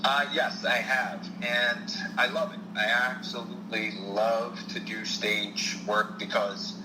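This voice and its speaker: A man's voice: mid-range voice, little pitch movement, takes it slowly, echoey room, noisy background. A man with a South Jersey, Philadelphia-area accent, an actor and stunt performer giving earnest advice in an interview. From South Jersey, United States. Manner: earnest, repeats key points for emphasis. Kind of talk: podcast interview.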